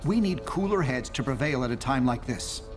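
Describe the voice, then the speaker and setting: A man voices a pragmatic superhero leader from a video game. The voice is medium in pitch, controlled and matter-of-fact, like an official briefing. Music runs clearly behind it. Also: expressive, moderate pace, close to an everyday voice. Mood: measured. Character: measured, pragmatic genius male superhero leader. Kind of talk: video game cutscene dialogue.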